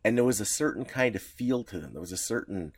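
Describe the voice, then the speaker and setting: A man co-hosts a casual podcast with a fairly low voice. He explains things in a rambling way, often stopping and restarting. The recording is close and dry. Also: lively intonation, slightly rough, no room sound. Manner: rambling, halting, many restarts. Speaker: podcast co-host.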